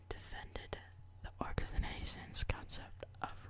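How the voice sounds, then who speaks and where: A woman with an American accent whispers in a calm tone at a fairly slow pace against noticeable background noise. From United States. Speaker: ASMR creator. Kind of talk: history reading. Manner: soft-spoken, calm.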